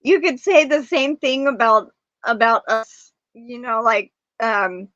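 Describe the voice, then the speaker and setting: A woman's voice: on the high side, takes it slowly, a bit bright, no echo. A woman hosting a casual livestream, chatty, greeting viewers and reading the chat aloud. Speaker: livestream host. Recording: dull, dry stream audio.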